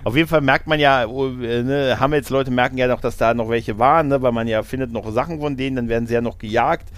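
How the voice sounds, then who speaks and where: A man's voice: mid-range voice, fairly even intonation, quick pace. A man hosting a casual film discussion, retelling scenes in a rambling way with frequent tag questions and laughs. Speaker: podcast host reviewing a film.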